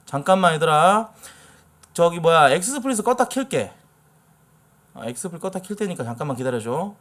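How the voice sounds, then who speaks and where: A man's voice: fairly high pitch, a little fast. A young man hosting a live stream from his home studio, chatting casually with viewers and his guest while looking back at old clips. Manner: chatty, lively, talks to viewers as 얘들아. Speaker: streamer host. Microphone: studio mic on arm.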